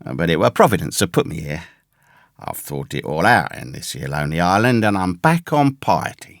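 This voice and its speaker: A man voicing a ragged, pious, half-crazed castaway sailor with a hoarse, awkward voice and rambling rustic seaman's talk, in a storybook reading. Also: low-pitched, big pitch swings, moderate pace, no room sound, clean studio sound, pitched below the performer's own voice, full character voice. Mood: confiding, rambling.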